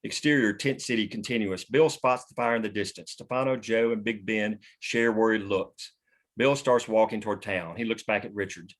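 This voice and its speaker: Lowish-voiced man reading stage directions. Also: steady tone, normal speed. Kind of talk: scripted narration at a table read.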